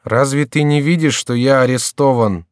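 A man's voice: medium pitch, moderate pace, clear, resonant tone, dry recording, studio quality, voice pushed up, lightly acted. A man voicing a captive male prince who speaks in a muffled voice of restrained fury. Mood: grim.

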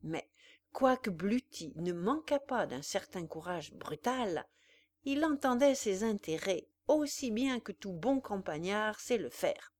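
A woman narrating a classic novel in a measured, even storytelling manner. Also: medium pitch, no room sound. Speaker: audiobook reader. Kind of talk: scripted literary narration.

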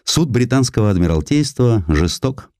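A man's voice: medium pitch, normal speed, no echo, clean studio sound. A man reading historical prose as a dramatic audiobook narrator, telling it expressively. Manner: expressive storytelling, acting out quoted speech.

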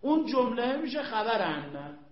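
A man's voice: extremely high pitch, very animated. A man teaching an Arabic grammar lesson, emphatic, repeating points and quizzing his students. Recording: echoey room, dull lo-fi sound.

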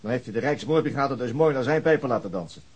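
An actor playing a methodical, doubting police detective in a radio drama, deliberate and husky. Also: male voice, medium pitch, lively intonation, highs cut off, over music, lightly acted. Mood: insistent.

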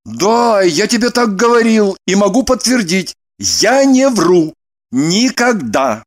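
A woman reading an audiobook, voicing an earnest, flustered young man who blurts out his words in a halting way. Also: mid-range voice, expressive, lightly acted.

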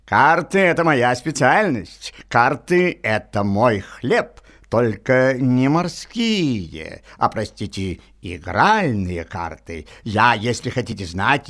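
Male comic card sharp, unhurried, very expressive, boastful yet politely apologetic, audio-play style. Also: medium pitch, heavily acted. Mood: unabashed, proud. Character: unabashed card sharp, hapless landlubber sailor.

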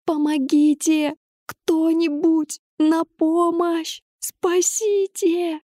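Woman playing a scared defiant young heroine, tearful, pleading, voice goes up high. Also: moderate pace, dark tone, slightly rough, dry recording, clean studio sound. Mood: desperate.

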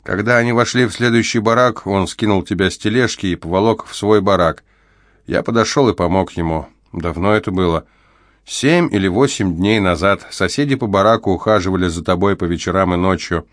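A man voicing a gentle older prisoner. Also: low voice, normal speed, no room sound, clean studio sound, natural voice. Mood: caring. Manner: gentle, reassuring. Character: kind older male prisoner, gentle caretaker. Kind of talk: audiobook character voice.

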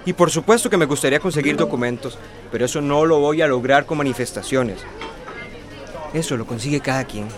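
A man's voice: on the high side, a little fast, music in the background, crowd noise, close to an everyday voice. An actor playing a dismissive young migrant man who mixes in English in a radio drama.

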